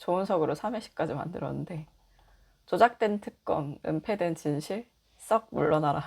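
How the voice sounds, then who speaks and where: A woman with a normal speaking voice talks at a moderate pace, her fairly low pitch carrying lively intonation. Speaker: independent media commentator. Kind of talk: political commentary.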